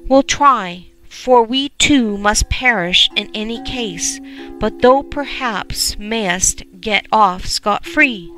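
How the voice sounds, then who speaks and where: A plaintive young prince from a storybook tale, as a woman reader puts him on, pleading in archaic words. The voice lifts higher and brighter than her narration. Soft music sits behind it. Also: slow pace, low-quality recording.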